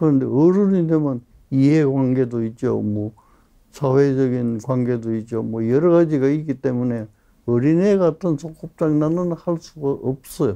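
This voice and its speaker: Speaking fairly slowly, a man has a dark, mellow tone at medium pitch with ordinary pitch variation. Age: 80s+. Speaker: psychiatrist, professor emeritus. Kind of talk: motivational talk to camera.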